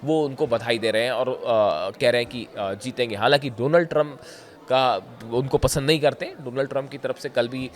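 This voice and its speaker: Man, hoarse throat, news commentator, talks straight to viewers, chatty, filler pauses, mid-pitched voice. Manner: conversational, often says "dekhiye", frequent filler pauses.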